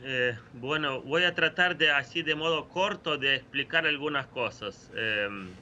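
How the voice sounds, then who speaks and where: A Ukrainian parish priest in his forties speaking Spanish as a second language with a Ukrainian accent, answering slowly with many pauses and fillers over a video call. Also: a little high, bright, forceful tone, lo-fi sound, slight background noise. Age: 40s. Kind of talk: remote interview answers.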